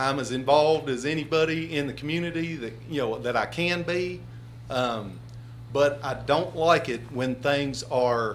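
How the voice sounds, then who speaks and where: A man with a Southern US accent, with audible room echo. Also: ordinary pitch variation. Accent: southern drawl, a little deeper than locals. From eastern Kentucky. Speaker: resident speaking at public meeting. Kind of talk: public comment. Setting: public meeting hall.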